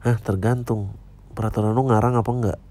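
Blunt, low-voiced podcast host. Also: male voice, steady tone, a little fast, warm tone, no echo. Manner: blunt, offhand, slangy replies. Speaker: podcast host answering listener emails. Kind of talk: casual podcast chat.

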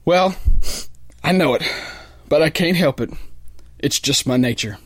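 A man's voice: on the high side, animated, a little slow, dry recording. A man playing a big, boastful, gullible boxer who tells his tale in slangy, ungrammatical tough-guy talk for a pulp radio play. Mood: bashful, smug. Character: big brawling boastful soft-hearted gullible male boxer, slangy narrator.

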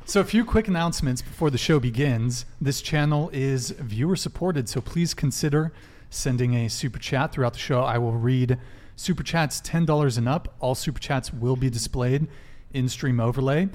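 A man's voice: medium pitch, normal speed, darkish tone. A man hosting a live podcast, rattling off announcements in a brash, joking manner from a studio table. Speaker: podcast host.

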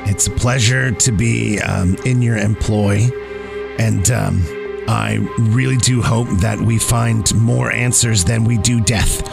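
A man voicing a polite, wry goblin noir detective in tabletop roleplay, halting and deadpan. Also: fairly low pitch, vocal fry, music in the background, voice pushed down, heavily acted. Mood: polite, hesitant.

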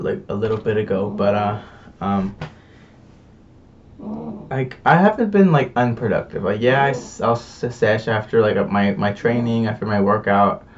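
Young man, casual vlog chat, rambling with fillers, slangy and relaxed, a bit distant from the mic, muffled sound. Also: fairly low pitch, slight background noise. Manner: rambling, filler-heavy, laid-back slang. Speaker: vlogger.

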